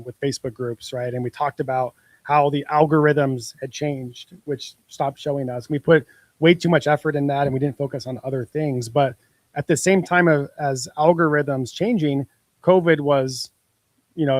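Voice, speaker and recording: A man's voice: on the high side, dry recording. Upbeat man co-hosting a podcast. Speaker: podcast co-host. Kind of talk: casual business podcast chat.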